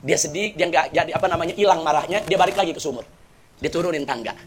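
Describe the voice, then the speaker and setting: A man preaching a sermon, telling stories in an animated, joking way and putting questions to the congregation. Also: fairly high pitch, quick pace, a little hiss or hum. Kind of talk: sermon with storytelling.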